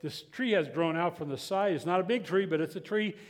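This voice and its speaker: A man preaching a sermon as pastor, telling a story with quoted voices and closing with a quiet invitation to prayer. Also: high voice, brisk. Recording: long reverb of a church hall.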